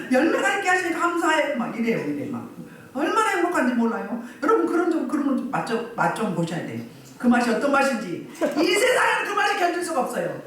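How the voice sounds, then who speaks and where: A woman's voice: high voice, fairly bright tone, a little hiss or hum. A middle-aged woman pastor preaching a sermon with emphasis, repeating phrases and asking the congregation questions. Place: church hall. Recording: echoey hall, mic at a distance.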